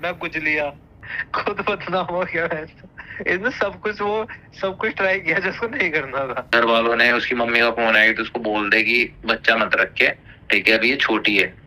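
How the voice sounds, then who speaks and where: A man's voice: medium pitch, normal speed, bright, forceful tone. A man with a North Indian accent chatting casually and recounting gossip on a recorded phone call.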